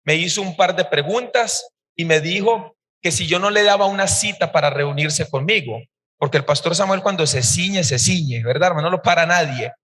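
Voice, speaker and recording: A male pastor tells his own testimony in a sermon, in an animated, emphatic storytelling manner. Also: fairly high pitch, moderate pace. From Costa Rica. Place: church service hall. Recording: reverberant church hall.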